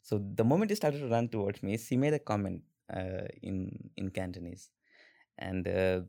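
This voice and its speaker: A man in his twenties with an Indian accent, a podcast guest telling stories casually with halting restarts and fillers. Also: sits low, creaky, dark tone. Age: 20s. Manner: halting, many restarts and fillers, laughs often. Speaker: interview guest. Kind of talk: casual conversational storytelling.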